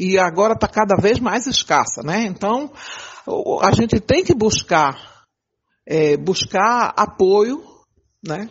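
Pausing long and often, a woman speaks very slowly at a medium pitch, her voice somewhat breathy. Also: lively intonation. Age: 60s. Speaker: domestic workers' union leader. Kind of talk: interview.

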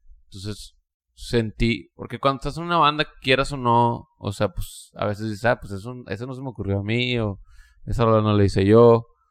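At a moderate pace and medium pitch, a man with an unremarkable speaking voice shows ordinary pitch variation and big swings in loudness, on a very clean recording with a silent background. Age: 30s. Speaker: musician and songwriter. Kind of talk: casual chat.

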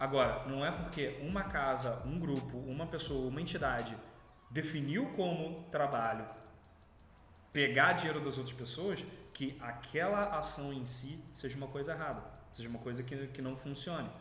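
Amid noticeable background noise and audible room echo, a man with a Rio de Janeiro accent talks at a moderate pace in a fairly high pitch with ordinary pitch variation. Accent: carioca. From Rio de Janeiro, Brazil. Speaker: youtuber and business coach. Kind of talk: casual monologue.

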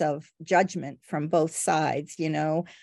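Fairly slow, monotone, flat delivery from a woman at a fairly low pitch, against a quiet background. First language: Portuguese. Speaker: school director. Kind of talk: casual chat.

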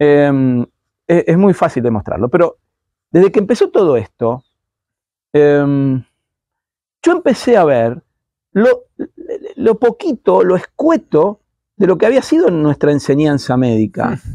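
A man's fairly high voice has a dark, mellow tone and very wide pitch swings, dry and close with no echo. He speaks fairly slowly, with long, frequent pauses. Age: 60s. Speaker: emergency physician. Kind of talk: interview.

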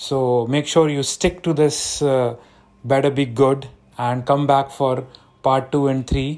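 Here a man speaks at a fairly high pitch in a monotone, flat way. His pace is moderate, broken by long, frequent pauses. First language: Punjabi (speaking Hindi). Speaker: podcast host. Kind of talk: casual chat.

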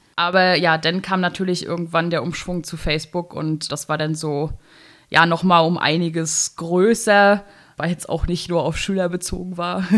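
A woman speaks at a moderate pace in a fairly low, monotone, flat voice. The recording is very clean, with a silent background. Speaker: podcast co-host. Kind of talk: casual chat. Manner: strongly pronounced plosives.

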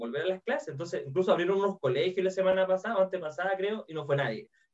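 A man speaks with a Chilean accent. His pitch is high. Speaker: teacher trainer, edtech entrepreneur. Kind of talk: casual interview chat. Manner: fast.

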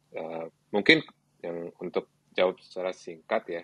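The recording is dry and close, with no echo. A man speaks at a moderate pace. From Indonesia, Jakarta. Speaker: company executive. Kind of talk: interview.

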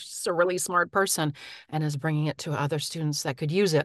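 A woman's voice comes through dry and close with no echo, over a quiet background. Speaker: podcast co-host, voice actor. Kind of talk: casual chat. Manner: animated, laughs often.

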